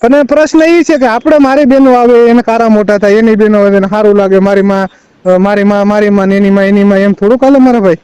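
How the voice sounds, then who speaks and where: Middle-aged male caller, rural Saurashtra Gujarati accent, high and fast-talking, defensive and repetitive, on a lo-fi phone recording. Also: fairly even intonation, warm tone, clear, resonant tone, no room sound. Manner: defensive, insistent, repeats himself. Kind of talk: heated personal phone conversation. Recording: dull lo-fi phone call recording.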